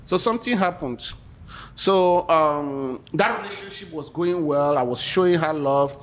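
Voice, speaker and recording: A man's voice: on the high side, expressive, unhurried, fairly bright tone. A man with a Nigerian accent, a podcast guest telling stories in casual chat, laughing often and repeating words as he starts.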